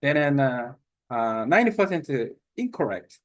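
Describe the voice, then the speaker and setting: Halting man, slow and hesitant. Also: medium pitch, big pitch swings, dry recording, studio quality. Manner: halting, many fillers and restarts. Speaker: language learner. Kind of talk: casual self-recorded talk.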